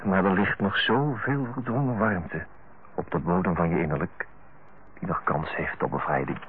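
An actor playing an earnest, tender brother in a Dutch radio play, speaking in a solemn, eloquent, husky voice. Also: male voice, low voice, moderate pace, a little hiss or hum, natural voice. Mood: earnest, reproachful. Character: earnest, tender brother counselling his older-aged sister. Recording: muffled, phone-like old radio recording.

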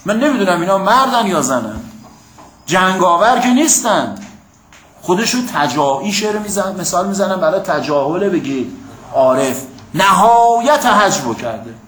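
A man's voice: high voice, big pitch swings, a bit bright. Man lecturing in an echoey classroom. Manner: explanatory, asks the class "got it?". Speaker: teacher of Quranic exegesis and Arabic. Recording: echoey room, faint hum.

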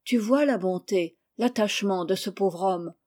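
A woman reading as a gentle, wise, affectionate young woman in a storybook, tender and measured. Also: medium pitch, natural voice. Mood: affectionate, earnest.

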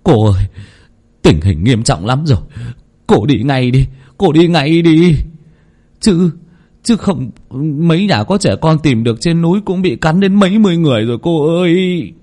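A man's voice: on the high side, animated, mellow, voice pushed up. A man playing a sobbing, desperate peasant father. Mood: pleading. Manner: pleading, halting. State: tearful.

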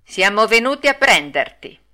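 A woman's voice: mid-range voice, sing-song, normal speed, bright, forceful tone, pitched above the performer's own voice. A woman reading an audiobook and voicing grim black rabbits carrying a coffin, blunt and grumbling. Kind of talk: audiobook read-aloud.

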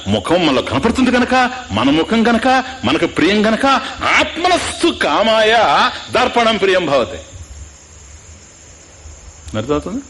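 A man's voice: high-pitched, huge pitch swings, measured pace, pauses often, fairly bright tone, slight background noise. A man giving a spiritual discourse as a Vedanta teacher, often quizzing his listeners and dropping in English asides.

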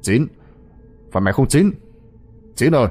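A man voicing a gruff, practical, teasing fisherman in an audio horror story, with a blunt, matter-of-fact manner. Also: medium pitch, very animated, normal speed, darkish tone, soft background music. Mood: calling out.

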